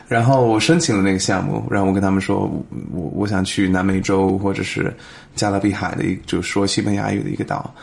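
Low-voiced foreign man with accented Mandarin, gravelly. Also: steady tone, fast talker. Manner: fluent, slips in English words. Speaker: podcast guest. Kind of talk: casual interview conversation in Mandarin as a foreign speaker.

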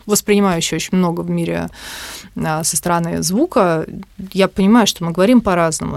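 A woman guest from the music industry talking in a lively, conversational way, acting out quotes as she tells stories. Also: on the low side, gravelly, no echo. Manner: animated storyteller, acts out quotes. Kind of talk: conversational interview.

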